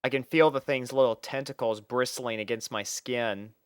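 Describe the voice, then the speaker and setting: Clear-voiced man narrating fan fiction, dry recording. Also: medium pitch, fairly even intonation, moderate pace, no echo. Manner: conversational first-person storytelling with acted dialogue lines. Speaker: narrator and reader playing the first-person lead.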